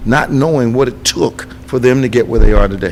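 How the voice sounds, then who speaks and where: The man speaks fairly fast. Noise in the background can be clearly heard. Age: 70s. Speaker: pastor and radio talk show host. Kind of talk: radio talk show discussion.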